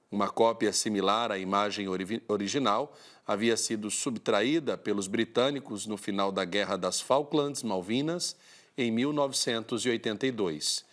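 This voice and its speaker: A priest hosting a Catholic TV program, reading church news in a steady, formal newsreader manner. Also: male voice, medium pitch.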